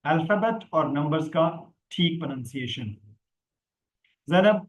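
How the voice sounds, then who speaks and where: Slow-spoken male English teacher. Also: on the high side, rough recording. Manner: slow, patient teacher drilling pronunciation. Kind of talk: live online class, explaining in Hindi-Urdu.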